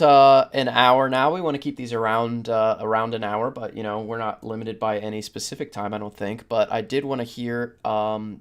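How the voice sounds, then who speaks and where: A man's voice: lowish voice, clean tone. A man hosting a podcast, chatting informally and giving emphatic opinions. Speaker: podcast host. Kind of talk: casual opinionated panel chat.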